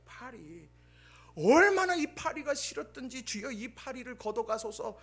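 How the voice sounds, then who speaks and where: High-voiced animated preaching man. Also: gravelly. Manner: animated storytelling, acting out quoted dialogue; swings between loud bursts and hushed asides. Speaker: pastor. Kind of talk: Sunday morning sermon.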